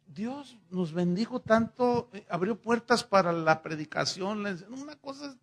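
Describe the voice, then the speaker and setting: A middle-aged Mexican pastor delivers a sermon in a relaxed, conversational way. He voices both sides of the conversations in his stories. His voice sits high for a man and carries a gravelly rasp. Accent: Mexican Spanish. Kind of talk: sermon with personal storytelling.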